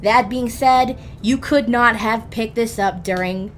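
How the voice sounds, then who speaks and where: A woman hosting an instructional guide, reading scripted narration in a measured, deliberate way with emphatic pauses. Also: fairly high pitch, slight background noise. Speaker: host of a roleplay guide series.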